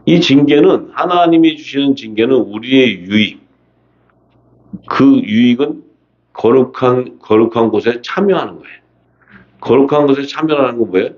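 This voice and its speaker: Lively Korean man preaching a sermon. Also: mid-range voice, moderate pace. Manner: colloquial and animated, asking rhetorical questions and voicing scripture. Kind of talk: seminar sermon. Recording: dull lo-fi audio.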